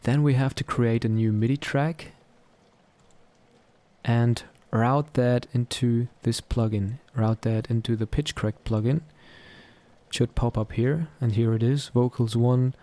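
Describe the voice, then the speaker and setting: A man presenting a software tutorial in a casual, explanatory style. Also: mid-range voice.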